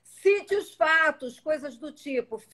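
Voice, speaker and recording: A woman's voice: sits high, expressive, slow, sharp tone, poor audio. A woman parenting educator giving a live-streamed talk, patient and instructive, speaking directly to her viewers. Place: home in a city. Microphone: internet live stream.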